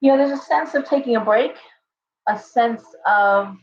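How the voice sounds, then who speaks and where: Brief: hoarse woman, chatty tarot livestream host, off-mic in an echoey room, dull sound. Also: a little high, normal speed, recorded from a distance, slight background noise. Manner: chatty, thanks viewers by name, restarts often. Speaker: tarot reader hosting a livestream. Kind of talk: casual livestream tarot reading.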